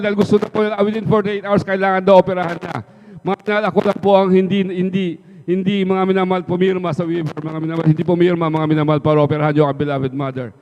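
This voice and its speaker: Isang lalaking may puntong Pilipino na nagpapatotoo sa isang pagsamba, paulit-ulit na sinasabing "mga minamahal" sa bawat parirala, sa mahabang alingawngaw ng bulwagan ng simbahan na mapurol ang tunog. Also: male voice, sits high, a little mellow, clean tone. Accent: Filipino. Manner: repeats "mga minamahal" after nearly every phrase. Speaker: church member giving testimony. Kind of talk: testimony in a church service. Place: church hall. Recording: reverberant, dull live stream audio.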